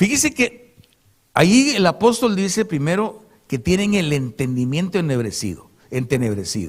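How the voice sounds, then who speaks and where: A man with a fairly high pitch speaks fairly slowly, his pitch swinging very widely. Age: 60s. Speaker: pastor. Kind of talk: sermon. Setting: pastors' retreat with audience.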